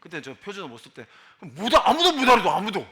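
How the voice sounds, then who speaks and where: A forties-aged pastor from Busan, South Korea, delivers a chatty sermon in a church sanctuary, questioning the congregation in Busan Gyeongsang dialect. His high-pitched voice races along, pushed and bright, with huge swings in pitch.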